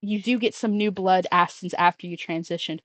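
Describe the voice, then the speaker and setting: A trans man hosting a casual call-in show, talking in a rambling way with many restarts and trailing off quietly. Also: sits high, fairly even intonation, a little fast, dry recording, rough recording. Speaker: podcast host taking call-ins. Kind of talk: casual conversational chat.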